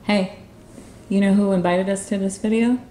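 A woman's voice: mid-range voice, fairly even intonation, normal speed, reverberant, noisy background. A woman chatting casually on a video, showing her convention gear and laughing often. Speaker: YouTube convention reporter. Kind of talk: casual show-and-tell chat. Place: game room with arcade cabinets.

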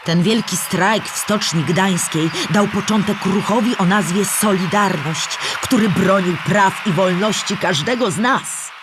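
Actress as clear-spoken female storyteller for children. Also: mid-range voice, unhurried, hardly any pauses, noisy background, lightly acted. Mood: explanatory, measured. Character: Historyjka, female storyteller explaining Polish history to children. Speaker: narrator of a children's audio drama. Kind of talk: scripted educational narration for children.

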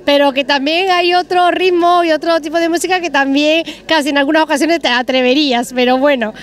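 A woman reporter interviewing a singer outdoors on a terrace, praising him warmly and chatting with many fillers, holding a handheld mic. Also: high-pitched, steady tone, brisk. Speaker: event reporter. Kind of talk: casual interview.

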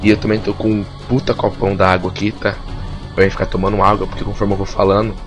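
A man's voice: lowish voice, little pitch movement, fast talker, over music. A Brazilian man giving casual gameplay commentary in a strained voice, as if his tonsils are swollen and his throat inflamed. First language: Portuguese. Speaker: gamer narrating a let's play.

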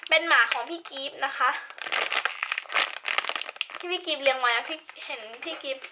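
High-voiced young girl reviewing toys. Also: moderate pace. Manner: chatty, polite, hesitant restarts. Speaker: unboxing vlogger. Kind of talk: casual product review. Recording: noisy home recording. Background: crinkling packaging and clicks.

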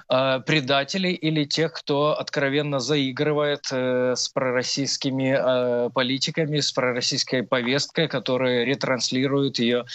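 A man in his thirties with a Ukrainian accent, speaking as an analyst guest on a live news broadcast over a video call, measured and full of hesitation sounds. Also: medium pitch, a bit bright, no room sound. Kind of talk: live TV interview commentary. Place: small room at home.

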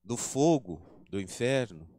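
A man's voice: medium pitch, expressive, slow, warm tone, no echo, studio quality. A man with a Brazilian Portuguese accent giving an earnest spiritist lecture at a spiritist center, teaching and acting out quoted remarks. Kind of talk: religious lecture.

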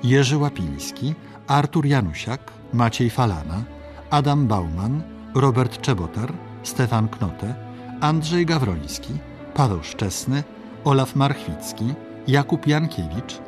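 A man's voice: mid-range voice, very animated, takes it slowly, over music. A man working as a radio announcer, formally reading closing credits.

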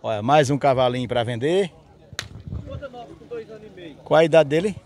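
A man's voice: medium pitch, unhurried, darkish tone. A man with a Northeastern Brazilian accent hosting a casual outdoor market vlog, chatting familiarly in short stock catchphrases. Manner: repeats stock catchphrases, addresses people familiarly. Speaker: host, market reporter. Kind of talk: casual on-location vlog commentary and interviewing. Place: outdoor dirt-lot livestock market with trucks.

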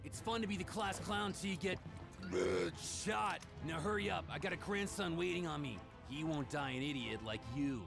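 A man voicing an abrasive, foul-mouthed old mad scientist grandfather in a cartoon, sneering in a gravelly voice. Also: a little high, moderate pace, music in the background. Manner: sneering, insulting.

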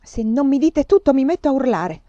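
A woman's voice: mid-range voice, a little slow, a little mellow, dry recording, lo-fi sound, close to an everyday voice. A woman voicing a frightened young woman who asks anxious, insistent questions.

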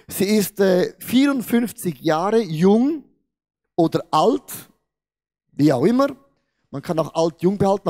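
A man preaches from a large church stage, speaking into a handheld mic. His voice sits fairly high for a man. He acts out the story, turning loud and then suddenly hushed. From Switzerland. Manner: animated storytelling, swings between loud and hushed. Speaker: pastor. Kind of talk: sermon with acted-out story.

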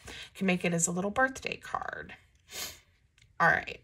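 A woman talking through a paper craft tutorial in a casual, chatty way, her voice a bit raspy from a coming cold. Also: on the low side, lively intonation, moderate pace, sharp tone. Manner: chatty and self-deprecating, talks while working. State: slightly raspy from a starting cold. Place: crafting desk indoors, filmed from above.

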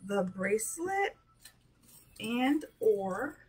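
A middle-aged woman with a hoarse voice, chatting casually as she shows jewelry to a webcam in a small room. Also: fairly high pitch, big pitch swings. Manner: chatty, slow, showing items up close. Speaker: jewelry seller. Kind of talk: live sales show chat. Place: small decorated room indoors. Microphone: webcam at arm's length.

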